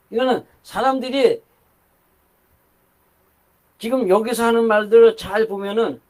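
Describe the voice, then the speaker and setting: An older man preaching a sermon in a conversational, rambling way, with asides and restarts. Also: sits high. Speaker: pastor.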